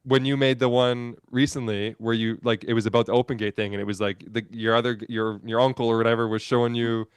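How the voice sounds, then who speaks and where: Smooth-voiced man rambling on a video call. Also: medium pitch, flat delivery, fast, few pauses, dry recording. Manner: rambling, restarts and self-corrections. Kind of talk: casual chat on a live stream.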